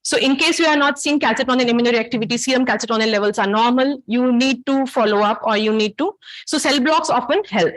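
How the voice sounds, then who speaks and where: A woman with a South Asian accent speaks in a high voice as she teaches. She lectures through cases in a didactic, academic way and turns to her listeners with questions. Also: fast talker, rough recording. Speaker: medical lecturer. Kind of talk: interactive academic case-based lecture.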